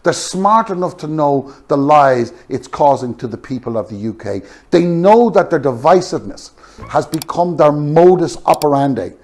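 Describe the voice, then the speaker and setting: A man with a fairly high voice gives an opinionated political commentary. His pitch moves in lively, wide swings as he stresses his points. The delivery is emphatic and scornful, built around rhetorical questions. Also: moderate pace. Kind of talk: opinionated monologue commentary on news.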